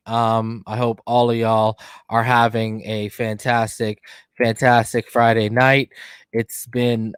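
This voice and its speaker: A man hosting a live sports podcast, in a casual, heated, mocking rant that swings from mumbling to loud outbursts. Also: medium pitch, clean tone, no echo. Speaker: podcast host.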